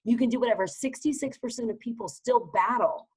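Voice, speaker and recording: A woman from Texas with a Southern accent, speaking as a guest in a podcast interview with an energetic, emphatic, motivational way of talking. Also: a little high, brisk, slightly rough. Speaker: guest business advisor.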